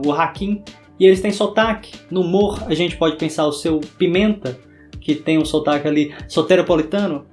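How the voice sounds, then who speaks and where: Young guy, high voice, bahian sertanejo accent, dramatic scripted narration, soft guitar behind. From interior of Bahia, Brazil. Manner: dramatic, theatrical delivery. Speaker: book vlogger. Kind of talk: scripted video essay narration.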